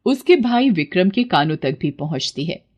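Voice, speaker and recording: Calm woman narrating a cartoon story. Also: on the low side, normal speed. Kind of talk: scripted narration.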